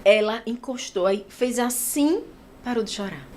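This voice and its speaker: A woman's voice: on the high side, a little slow, slight background noise. Brazilian woman telling a vivid personal story. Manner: animated storytelling, acting out other people's lines. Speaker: guest giving a testimony.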